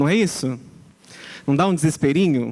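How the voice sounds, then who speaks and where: Only a man's voice is heard. The recording is very clean and the background silent. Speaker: psychologist and lecturer. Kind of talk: lecture. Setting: stage with audience. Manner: animated.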